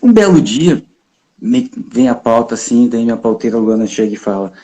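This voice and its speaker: Mellow-voiced reporter storyteller. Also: male voice, medium pitch, moderate pace. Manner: lively, chuckles often, acts out other people's voices. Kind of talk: storytelling anecdote in an interview.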